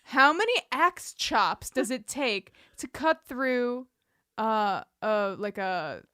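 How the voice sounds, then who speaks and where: Woman co-host, fairly high voice, wry and conversational, recorded close and dry for a recap show. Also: expressive, slow, pushed and bright, smooth, no echo. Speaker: podcast co-host. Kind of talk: casual chat recapping a TV episode.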